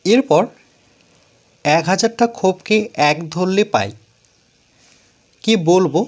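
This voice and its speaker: A man's voice: sits high, animated, slow. Patient man explaining math step by step. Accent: West Bengal Bengali. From West Bengal, India. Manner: patient, repeats and counts steps aloud, asks and answers own questions. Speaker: math teacher.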